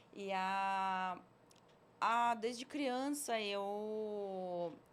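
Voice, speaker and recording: With ordinary pitch variation, the voice carries a non-native accent. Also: woman. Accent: foreign, non-native Portuguese. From Kazakhstan (ethnic Russian). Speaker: entrepreneur, nail salon owner. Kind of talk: interview. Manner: halting, with many fillers and self-corrections.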